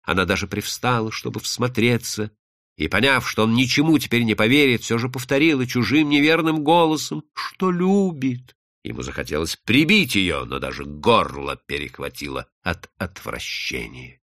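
A male audiobook narrator reads a classic detective story with expressive, dramatic storytelling. His voice sits low, yet the melody moves widely. The sound is dry and close, with no room around it. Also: normal speed, dry recording. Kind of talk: scripted literary narration.

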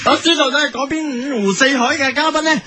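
A man's voice: very high-pitched, steady tone, fairly quick, noisy background. A man with a Hong Kong Cantonese accent hosting a comedic radio sketch, playful and hyped as he counts down a music chart. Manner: playful, switching between host voices, hyped chart-countdown delivery.

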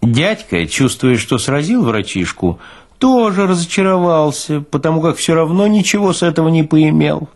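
A man's voice: a little high, big pitch swings, moderate pace. A man narrating literary fiction expressively, as in an audiobook.

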